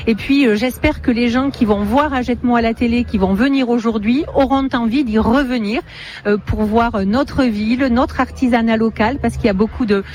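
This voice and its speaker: A woman's voice: on the high side, normal speed, darkish tone. A woman mayor answering a radio interviewer's questions in a composed, formal way. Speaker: town mayor.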